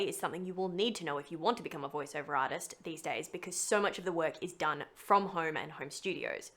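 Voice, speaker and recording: A woman hosting a voice-over tutorial, explaining things to viewers in a chatty, expressive, emphatic way. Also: on the low side.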